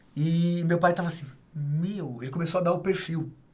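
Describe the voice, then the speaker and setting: Audible room echo surrounds a man speaking at a high pitch and a moderate pace, with fairly even intonation. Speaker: missionary, mission founder. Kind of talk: casual interview storytelling.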